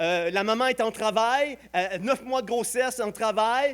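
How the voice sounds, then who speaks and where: Ordinary pitch variation marks this man's speech, delivered at a fairly slow pace. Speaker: pro-life activist. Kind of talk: church announcement talk. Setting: church with congregation. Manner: loud.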